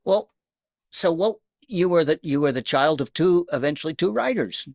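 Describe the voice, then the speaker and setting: A man's voice: fairly high pitch, lively intonation, moderate pace, creaky, no room sound, clean studio sound. A man hosting, moving between scripted introduction and interview questions. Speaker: host and interviewer.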